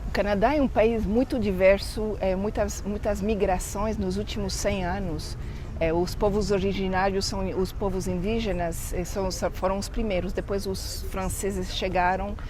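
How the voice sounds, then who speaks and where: A woman with a French accent speaks at a fairly slow pace with hardly any pauses. Audible room echo and noticeable background noise fill the recording. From Quebec, Montreal. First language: French (speaking Portuguese). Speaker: immigrant interviewee. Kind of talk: interview.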